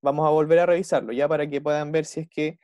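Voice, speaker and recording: A man's voice: a little high, steady tone, fast, a little mellow, smooth, no echo, studio quality. Chilean man teaching, checking in constantly. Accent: Chilean Spanish. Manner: explains step by step, checks in with "¿cierto?" and "¿ya?" after almost every phrase. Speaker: English teacher. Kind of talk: online class explanation.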